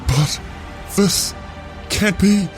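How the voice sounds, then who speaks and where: A man voicing a gloating evil villain in an amateur audio roleplay, with grandiose, menacing, drawn-out phrasing. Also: high-pitched, over music. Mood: disbelieving. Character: gloating evil male twin villain bent on destroying reality.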